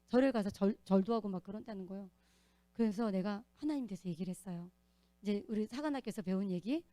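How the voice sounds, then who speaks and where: A woman giving an earnest, animated testimony as a church deacon, telling her story in a church. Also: medium pitch, no room sound.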